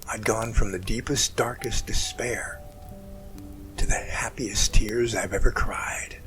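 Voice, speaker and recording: A man acting in an amateur audio drama as an emotional man haltingly recounting a rescue that overwhelmed him. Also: on the low side, steady tone, in a whisper, over music. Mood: tearful, moved.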